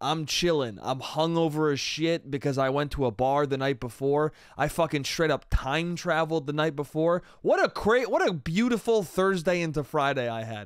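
A man at a moderate pace with hardly any pauses and ordinary pitch variation, in a dry sound with no echo against a quiet background. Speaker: solo podcast host. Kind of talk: casual comedic monologue. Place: home room. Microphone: studio mic.

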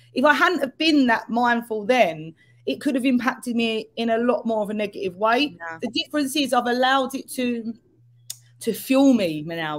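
With a London accent, a woman speaks at a high pitch and a fairly quick pace. She takes long, frequent pauses. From London, England. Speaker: mindset and business coach. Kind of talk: podcast interview. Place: home room. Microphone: webcam.

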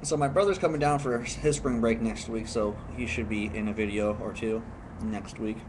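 The speech moves at a moderate pace with ordinary pitch variation amid noticeable background noise. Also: man. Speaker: vlogger. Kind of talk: casual vlog chat. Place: home room. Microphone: webcam.

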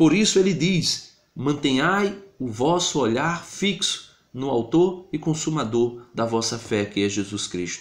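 Speaking very slowly with a Brazilian accent, a man uses a solemn tone, very wide pitch swings and hardly any pauses. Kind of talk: preacher exhortation. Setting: video channel, addressing viewers directly. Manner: fervent, earnest pleading, urging listeners to keep their eyes on Jesus; solemn, formal devotional tone with rhetorical repetition. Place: home room. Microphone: phone near.

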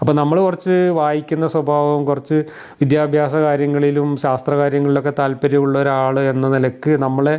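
A man's monotone, flat delivery with a fairly high pitch, a dark, mellow tone and very even loudness. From Kerala, India. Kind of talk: video monologue.

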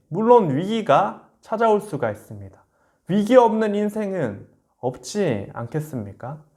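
A man talks at a fairly slow pace in a high voice with lively intonation. The recording is very clean, with a silent background. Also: big swings in loudness. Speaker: assistant pastor teaching a Bible class. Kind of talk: lecture. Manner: formal.

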